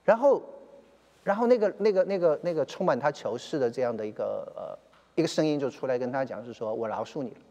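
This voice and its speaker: A man's voice: a little high, animated, quick pace, dark tone, big-room sound, muffled recording. A man, a church elder, retelling a story in a sermon, with many fillers and English phrases slipped in.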